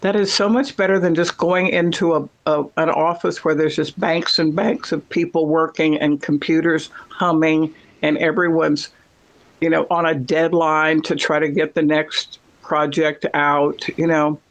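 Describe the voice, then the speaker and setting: Chatty guy, bit high-pitched, rambling casual storyteller. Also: little pitch movement, measured pace, fairly bright tone. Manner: rambling, chatty, many fillers. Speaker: conversation partner. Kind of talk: casual chat.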